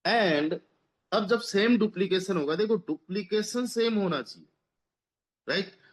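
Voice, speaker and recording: A man in his thirties giving a motivational business pitch as a team leader, persuasive, repeating phrases for emphasis and mixing English words into his speech. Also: a little slow. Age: 30s. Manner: mixes English words into Hindi. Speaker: network marketing team leader.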